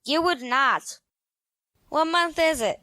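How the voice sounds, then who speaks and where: A woman's voice: high-pitched, animated, takes it slowly, pushed and bright, dry recording, studio quality, heavily acted. A woman playing a patient, encouraging young twin sister in an audio drama, colloquial and easygoing. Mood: teasing, patient.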